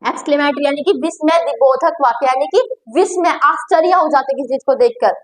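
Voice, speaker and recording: A woman teaching a grammar lesson to students in a chatty classroom style, checking in often and stretching out her examples. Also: sits high. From India. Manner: chatty, repeats "ठीक है", drawn-out examples.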